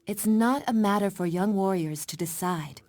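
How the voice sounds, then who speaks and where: A woman's voice: medium pitch, moderate pace, darkish tone, dry recording, close to an everyday voice. An actress playing a firm, defiant tribal mother in a video game cutscene, stern and proud.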